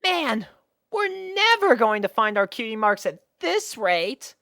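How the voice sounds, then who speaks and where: A woman's voice: fairly high pitch, sing-song, unhurried, bright, forceful tone, dry recording, clean studio sound, pitched above the performer's own voice, exaggerated voice. A woman voicing a brash, impatient young female pony with a blunt, complaining manner in a storybook reading. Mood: discouraged.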